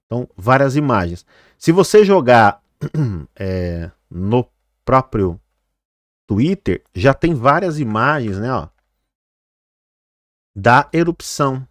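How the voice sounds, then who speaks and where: A man's voice: medium pitch, big pitch swings, takes it slowly, long pauses. A man vlogging, commenting on news images in a loose, chatty way, with lots of fillers and direct asides to his viewers. He sometimes stumbles on difficult names and corrects himself. The sound is close and dry, with no room echo. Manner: chatty, fillers like "né" and "olha, gente"; trips over hard names. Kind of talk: casual commentary over news footage.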